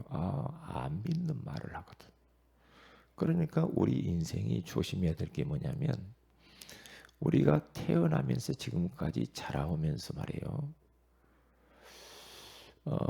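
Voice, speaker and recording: A man's voice: mid-range voice, gravelly, mellow, breathy edge. A man preaching an early-morning prayer sermon as pastor, asking the congregation questions and repeating his points for emphasis.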